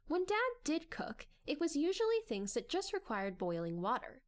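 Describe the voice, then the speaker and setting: A woman's voice: sits high, big pitch swings, moderate pace. A woman reading scripted story narration in a dramatic audiobook style.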